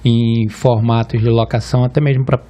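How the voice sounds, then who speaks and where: A man hosting an interview podcast, asking relaxed, conversational questions. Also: mid-range voice, moderate pace. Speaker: podcast host.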